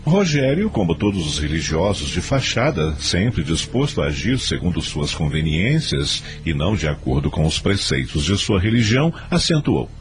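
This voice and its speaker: A man narrates a radio drama in a low, deep voice. His scripted delivery is dramatic and animated, with soft music underneath. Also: normal speed, hardly any pauses.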